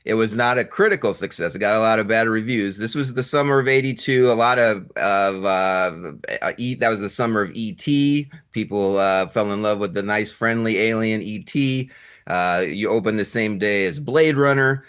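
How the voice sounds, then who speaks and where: Lowish-voiced man interviewing as host. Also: moderate pace, fairly bright tone, clear, resonant tone. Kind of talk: enthusiastic film interview questions.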